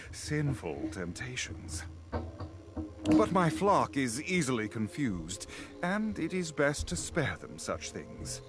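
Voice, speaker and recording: A man playing a weary, sanctimonious friar in an audio story, speaking in a formal, preachy manner. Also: medium pitch. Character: weary, pompous male friar, sanctimonious and secretive. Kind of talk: scripted character acting in an audio story game. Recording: music behind the voice.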